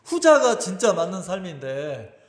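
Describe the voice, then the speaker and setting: A man's voice: sits high, sing-song, measured pace, roomy sound, big-room sound. A middle-aged male pastor giving a sermon, telling a personal story with emotion and acting out the voices of his mother and himself. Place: church sanctuary.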